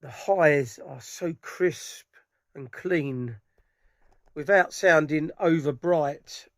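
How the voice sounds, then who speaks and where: A middle-aged man giving rambling, enthusiastic impressions of loudspeakers from a dark room at home. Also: fairly high pitch, drawn-out words, no echo, studio quality. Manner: rambling, enthusiastic, many restarts. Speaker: audio hobbyist vlogger. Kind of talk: casual product impressions.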